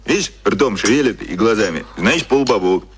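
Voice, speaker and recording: Cynical boss, low voice, lively swooping intonation, offhand, cocky, radio drama. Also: male voice, brisk, slight background noise. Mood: amused, smug. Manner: offhand, colloquial explaining. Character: cynical, cocky male boss explaining secret media machinery.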